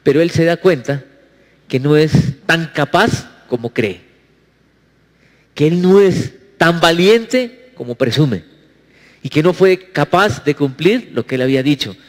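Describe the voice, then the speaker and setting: A male pastor preaching a sermon, asking his congregation questions, with sweeping swings in pitch. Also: animated, measured pace, big-room sound.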